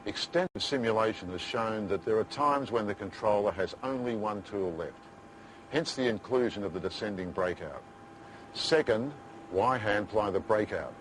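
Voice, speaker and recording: A man's voice: fairly low pitch, lively intonation, moderate pace, slight background noise. A man giving a formal scripted explanation as an instructor, posing questions and answering them.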